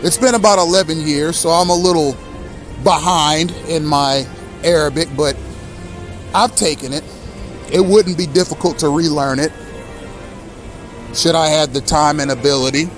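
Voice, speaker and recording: A man in his thirties with a notably high voice speaks directly to his audience in an impassioned monologue. His tone is accusatory and emphatic, and he slows down to lean hard on key words. Soft music plays faintly in the background. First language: English. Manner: accusatory, emphatic, slow deliberate stresses. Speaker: host.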